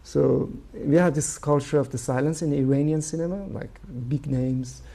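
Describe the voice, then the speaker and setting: A man from Iran speaks with a Persian accent in a very dark, gravelly voice that has a husky edge. He pauses often and muses his way through answers as an interview guest. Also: fairly high pitch, fairly even intonation. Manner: thoughtful, halting, frequent uh fillers. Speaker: filmmaker guest.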